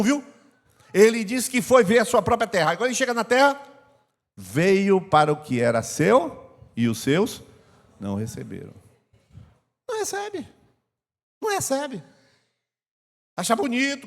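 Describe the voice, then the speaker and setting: An older man with a Brazilian Portuguese accent preaching a sermon in a church hall, talking conversationally and repeating phrases for emphasis. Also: high-pitched. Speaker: pastor. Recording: long church-hall reverb.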